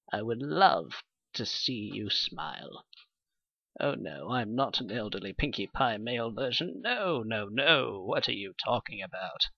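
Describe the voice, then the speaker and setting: A man acts out a genial elderly shopkeeper from a video game, gravelly and doddering. His delivery swings up and down as he rambles hesitantly. The sound is dry and a little muffled. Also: mid-range voice, dry recording, full character voice. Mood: welcoming, then flustered. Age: older. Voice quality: husky, creaky old man's voice. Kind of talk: video game NPC character demo.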